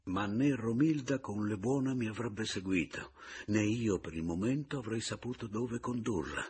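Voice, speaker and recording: A man reading a literary novel aloud as an audiobook narrator, in a measured, reflective first-person voice. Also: lowish voice, darkish tone, husky.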